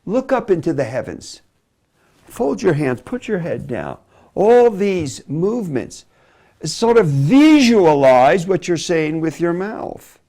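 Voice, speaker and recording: Bible teacher guy lecturing, kinda high voice, bouncy pitch, demonstrative, goes loud then quiet. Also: slow. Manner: animated, demonstrative, swings between loud and hushed. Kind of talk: teaching lecture on preaching delivery.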